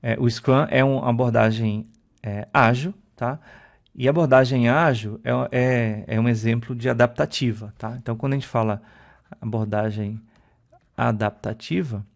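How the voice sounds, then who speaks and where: A male instructor teaching a recorded video lesson at a slide, in a conversational way, often checking in with a quick "tá?". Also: mid-range voice, steady tone, gravelly. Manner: explains at a slide, often ends phrases with a checking "tá?"; conversational, with filler "é" and restarts. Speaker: IT exam-prep instructor.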